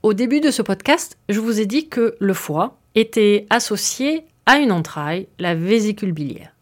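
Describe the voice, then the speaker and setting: A woman's voice: mid-range voice, animated, normal speed. Woman podcast host with a chatty, easygoing delivery, talking straight to her listeners with frequent asides. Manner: chatty, explains with fillers and asides. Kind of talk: casual explanatory podcast monologue.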